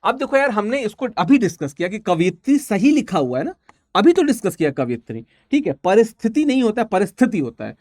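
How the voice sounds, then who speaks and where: A man's voice: high-pitched, very animated, fairly quick, a little mellow, no room sound, studio quality. A man teaching an online exam-prep language class, talking casually and repeating each answer several times.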